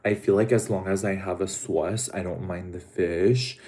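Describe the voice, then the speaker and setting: A man's voice: deep voice, fairly even intonation, normal speed, a little mellow. A man hosting a casual livestream, talking in a dramatic, camp way to his viewers while he eats. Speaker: livestream host.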